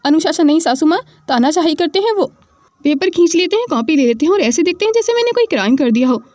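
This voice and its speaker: A woman's voice: very high voice, expressive, fast, a little mellow, no room sound, pitched above the performer's own voice. A woman doing a sulky, dramatic young student girl. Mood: complaining. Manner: whiny, indignant complaining.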